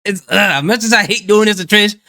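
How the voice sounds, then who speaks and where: A man hosting a reaction video, giving relaxed, chatty commentary with stammering restarts. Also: high voice, fast talker.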